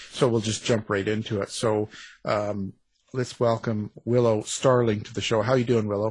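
A man with an American accent speaks at a moderate pace in a fairly low, somewhat breathy voice with fairly even intonation over a quiet background. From Seattle, US Pacific Northwest. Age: 60s. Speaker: radio host. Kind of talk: interview.

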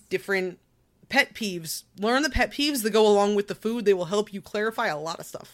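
On a very clean recording with a silent background, a woman speaks in a normal speaking voice at a fairly quick pace, her pitch medium with ordinary pitch variation. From Texas. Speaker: podcast host. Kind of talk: casual chat.

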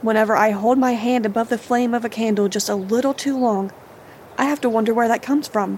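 This is an ordinary speaking voice from a woman, fairly high in pitch. She moves at a fairly quick pace with fairly even intonation. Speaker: actress playing a young woman. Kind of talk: dramatic dialogue in audio fiction. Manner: cold, threatening, controlled.

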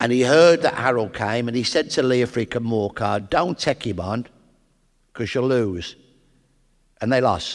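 In a strong Birmingham accent, a man with a medium pitch speaks at a moderate pace with ordinary pitch variation and long, frequent pauses, in a very clean recording with a silent background. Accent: broad Birmingham (Brummie). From Birmingham, England. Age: 60s. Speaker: historian. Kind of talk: live podcast conversation. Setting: stage with audience.

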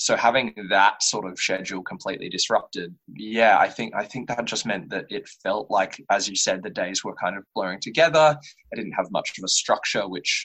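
A man talks at a moderate pace with an Australian accent. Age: 20s. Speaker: podcast guest. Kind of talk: casual chat. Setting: video call.

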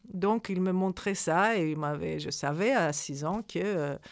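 Someone with a Greek accent speaks at a very slow pace with lively intonation in a very clean recording with a silent background. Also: woman. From Greece, Thessaloniki. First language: Greek (speaking French). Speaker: research physicist. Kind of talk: interview. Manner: halting.

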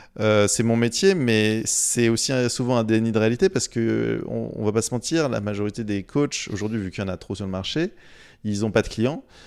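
On a very clean recording with a silent background, this man uses a normal speaking voice at medium pitch, keeping a moderate pace and ordinary pitch variation. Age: 30s. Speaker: podcast guest, longtime friend of host. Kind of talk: casual chat.

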